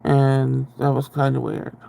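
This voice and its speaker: Congested, nasal man with a gravelly edge. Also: mid-range voice, completely flat delivery, a little slow, mellow, a little hiss or hum. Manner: chatty, rambling, greets viewers. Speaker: livestream host. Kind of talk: casual livestream chat. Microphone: very close to the microphone, breathing audible.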